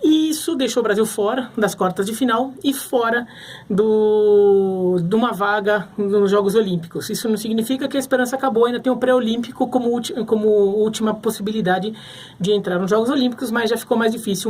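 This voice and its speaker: A man's voice: sits high, fairly even intonation, brisk. A man from Brazil giving casual sports commentary to camera, thinking aloud with frequent restarts.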